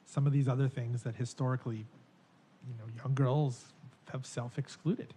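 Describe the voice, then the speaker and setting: A man moderates a panel discussion in a mellow, dark-toned voice. He frames each question with background before he asks it. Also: mid-range voice, fairly even intonation, normal speed, slight background noise. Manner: poses questions with background context.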